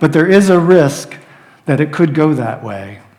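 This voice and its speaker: Lively intonation from a man with an American accent, amid noticeable background noise. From United States. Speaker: guest preacher. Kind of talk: sermon.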